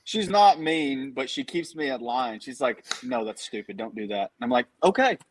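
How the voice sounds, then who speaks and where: A man's voice: mid-range voice, expressive, moderate pace, a little hiss or hum. A man, chatting as a podcast guest and telling stories in a laid-back way. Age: 30s. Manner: laid-back storytelling, frequent laughs. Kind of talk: casual chat.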